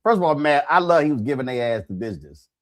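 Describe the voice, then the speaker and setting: A man's voice: fairly high pitch, animated, fast talker. A man hosting a panel discussion, talking bluntly in casual slang. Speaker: host.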